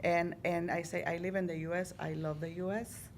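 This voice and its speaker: A woman's voice: on the low side, flat delivery, a little fast, a little hiss or hum. A middle-aged woman from Guatemala, speaking reflectively and encouragingly in a group discussion. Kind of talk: casual discussion.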